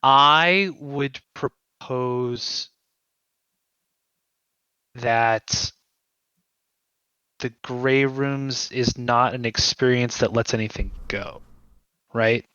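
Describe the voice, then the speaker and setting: A man being interviewed as a guest writer, explaining his ideas conversationally in a thoughtful, halting way and often checking in with "right?". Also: mid-range voice, sharp tone, smooth, no room sound, lo-fi sound.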